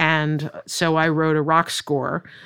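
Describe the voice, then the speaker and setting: A woman with an American accent speaks in a fairly low pitch on a very clean recording with a silent background. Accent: slight New Jersey, mostly hidden. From New Jersey (Edison). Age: 40s. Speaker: singer-songwriter and actor. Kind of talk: casual interview chat.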